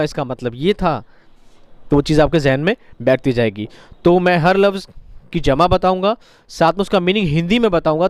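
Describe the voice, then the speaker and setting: A man's voice: on the high side, smooth, no echo. A man teaching a grammar lesson on a recorded video, patiently repeating points and asking questions that he then answers himself. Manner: asks students questions and answers them himself.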